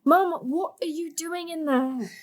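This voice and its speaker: Earnest high-voiced young daughter. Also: female voice, unhurried. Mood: urgent. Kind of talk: naturalistic drama acting.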